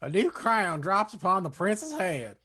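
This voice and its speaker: A woman's voice: medium pitch, sing-song, measured pace, fairly bright tone, breathy edge. A woman reading stage directions as scripted narration for a staged reading.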